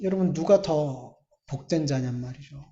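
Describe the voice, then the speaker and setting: A male pastor preaching a sermon in a church, emphatic, with drawn-out pauses and rising bursts. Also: on the high side, mellow. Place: church sanctuary. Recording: echoey church hall, slightly dull sound.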